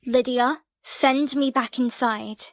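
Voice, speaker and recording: A woman's voice: high voice, fairly even intonation, slow pace, dry recording. A woman playing a practical, determined young heroine in an audio drama, speaking directly. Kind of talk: amateur audio drama acting.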